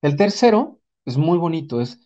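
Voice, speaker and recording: A psychotherapist with a Mexican accent uses a sing-song, rather high voice with a dark tone at a moderate pace, heard over dull audio. He gives an explanatory talk with acted examples, teaching didactically and checking in with brief rhetorical questions.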